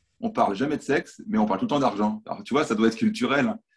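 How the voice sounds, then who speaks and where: A man speaks with very wide pitch swings. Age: 40s. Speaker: strength and conditioning coach. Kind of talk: casual interview chat.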